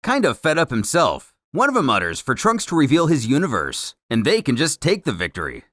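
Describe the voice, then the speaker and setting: A man's voice: medium pitch, wildly swooping pitch, a little fast, a bit bright, no room sound, clean studio sound. A man narrating a scripted story recap in a theatrical, wordy storytelling manner. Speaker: narrator of a comic recap series.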